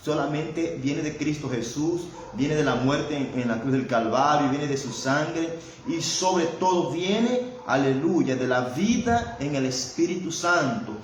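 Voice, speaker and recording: A man's voice: fairly high pitch, lively intonation, measured pace. A man preaching a sermon who keeps adding amén and invocations of Jesus, and often stalls and repeats words while he searches for them. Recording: very echoey room with faint background noise.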